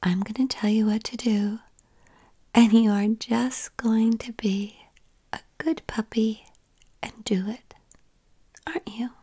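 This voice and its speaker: A woman whispering softly and tenderly into a close mic in an intimate ASMR roleplay. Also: fairly high pitch, steady tone, takes it slowly, pauses often, breathy edge. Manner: tender, soothing.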